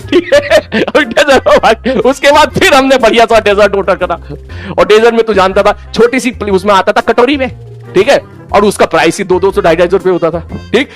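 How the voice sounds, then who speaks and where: High-voiced man telling a lively story. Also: a little fast, faint music behind. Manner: animated, acts out quoted dialogue; frequent 'bhai sahab' asides. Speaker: teacher. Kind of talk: storytelling anecdote.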